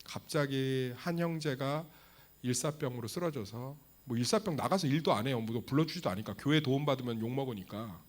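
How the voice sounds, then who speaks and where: A male pastor preaching a lively sermon in a church, joking and throwing rhetorical questions at the congregation. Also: mid-range voice, a little fast. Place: church sanctuary.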